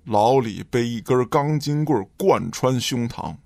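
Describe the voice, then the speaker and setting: A man's voice: medium pitch, animated, unhurried, creaky, mellow, no room sound. A man narrating an audio drama from a script in a dramatic storytelling style.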